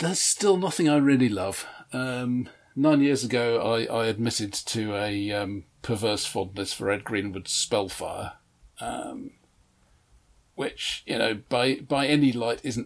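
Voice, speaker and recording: Fairly slow pace and ordinary pitch variation in a normal speaking voice. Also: man. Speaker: podcast host. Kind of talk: casual chat.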